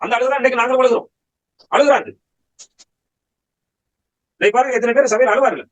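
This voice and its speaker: Fast, high-voiced preacher. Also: male voice, highs cut off. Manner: questioning, rhetorical, rising to emphatic exhortation. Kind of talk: Bible study sermon.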